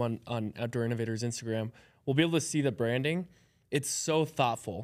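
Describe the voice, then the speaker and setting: A man at a medium pitch with ordinary pitch variation and a moderate pace, in a very clean recording with a silent background. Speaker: podcast host. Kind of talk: casual interview. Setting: trade show, in person.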